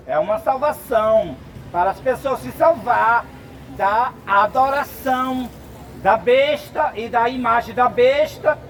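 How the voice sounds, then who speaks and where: A man from Brazil giving an open-air sermon, slow and emphatic, sometimes breaking into shouts. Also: very high voice, a little hiss or hum, poor audio. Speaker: street preacher.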